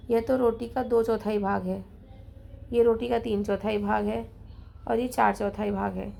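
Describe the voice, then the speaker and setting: Patient woman teacher with a gravelly voice. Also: medium pitch, steady tone, a little slow, dark tone, slight background noise. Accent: Hindi of Rajasthan. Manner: patient, counts aloud, checks in with "ठीक है". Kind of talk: math lesson for children.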